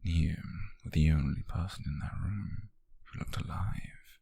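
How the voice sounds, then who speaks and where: A British man playing a possessive, obsessive, smug wealthy captor in an intimate ASMR roleplay, husky and whispery, speaking softly and deliberately close to the mic. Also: low voice, no echo, heavily acted. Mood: assertive, unapologetic. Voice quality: breathy, husky, gravelly whisper. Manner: slow, deliberate, menacingly soft. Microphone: close microphone, dry.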